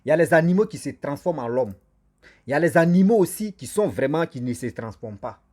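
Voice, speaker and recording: A man with a husky, slightly breathy voice pitched a little high for a man tells a folk tale to his online audience. He speaks French as a second language, and his first tongue is a local African language. He talks in a lively, repetitive way and keeps breaking off to address his listeners directly. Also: fast talker. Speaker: storyteller and channel host. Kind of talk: casual oral storytelling to viewers.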